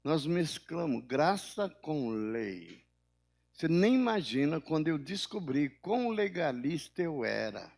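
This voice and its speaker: Older pastor preaching with sudden rises. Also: male voice, very animated, takes it slowly, gravelly, darkish tone. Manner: preaching with sudden rises in pitch and volume, then dropping low; acts out the people in his stories in a higher voice. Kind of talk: sermon.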